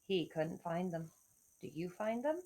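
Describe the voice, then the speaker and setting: A woman reading a story aloud to young children like a teacher, in an expressive storytelling manner. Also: on the low side, measured pace. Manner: expressive, clearly addressing children. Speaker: elementary school teacher reading to pupils.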